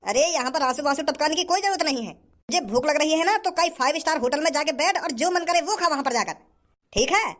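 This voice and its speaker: Man doing a squeaky swaggering rich kid. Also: expressive, quick pace, fairly bright tone. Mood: scolding. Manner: swaggering, scolding. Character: brash rich young male show-off.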